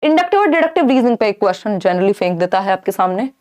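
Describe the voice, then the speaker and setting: A young woman teaches an exam-prep lesson in Hindi, sprinkling in English terms and posing rhetorical questions that she answers herself. Her mid-range voice has a darkish tone, and she speaks quickly and with great animation.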